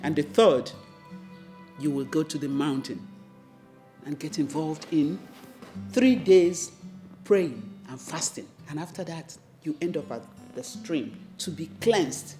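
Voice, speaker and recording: A domineering middle-aged mother, played by an actress, scolds in a slow, deliberate drawl that swings widely up and down. Her voice sits a little low for a woman. The room is echoey, with faint music underneath. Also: lively intonation, dark tone. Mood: lecturing. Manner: scolding, bossy. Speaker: actor. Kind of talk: melodrama acting.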